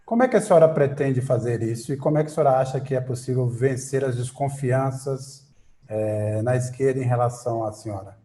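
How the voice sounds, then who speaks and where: A man's voice: mid-range voice, fairly quick, warm tone. A man hosting a political interview, reading a scripted introduction and then asking long questions with many fillers. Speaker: interview host. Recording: echoey room.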